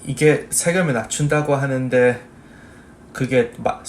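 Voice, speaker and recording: A man's voice: mid-range voice, racing, close to an everyday voice. A man playing a polite, confused voter in an amateur theater skit. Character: polite, confused Korean-speaking male voter.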